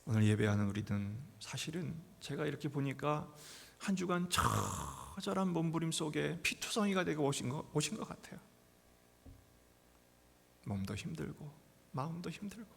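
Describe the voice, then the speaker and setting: Male pastor, high voice, live sermon, whispers to near-shouts, church hall reverb. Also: sing-song, moderate pace, vocal fry, slightly rough. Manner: dramatic, swings from hushed whispers to loud outbursts; acts out quoted voices. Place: church sanctuary.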